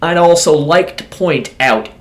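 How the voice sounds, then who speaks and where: A man's voice: on the high side, unhurried. A man narrating a true crime podcast as its host, reading from a script in a blunt, opinionated way.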